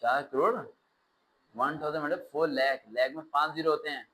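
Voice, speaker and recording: A man teaching a test-prep class, lecturing in an animated way with sarcastic, ranting asides. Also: on the high side, fairly quick, poor audio.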